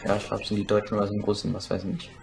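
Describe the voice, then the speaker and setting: A young man giving crude, excitable commentary while playing a shooter, swearing and shouting at enemies. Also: fairly low pitch, very fast, vocal fry. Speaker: let's play gamer. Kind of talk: casual gameplay commentary.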